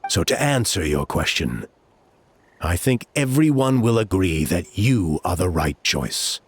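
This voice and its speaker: An earnest tribal elder. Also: male voice, deep voice, animated, a little slow, background noise. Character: earnest male tribal elder recruiting a hero. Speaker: village elder. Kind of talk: video game voice acting.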